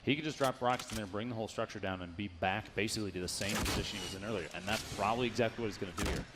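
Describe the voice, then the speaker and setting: A man's voice: on the low side, very fast. A man working as an esports caster and analyst, giving live, technical running commentary on a game. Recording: noisy live event with game gunfire.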